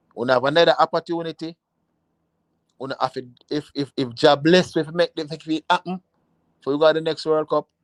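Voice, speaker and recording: A fairly high-pitched man with a Jamaican accent talks at a fairly quick pace, leaving long, frequent pauses. The sound is dry and close, with no echo. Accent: Jamaican Patois. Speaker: football commentator. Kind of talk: live reaction rant. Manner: animated.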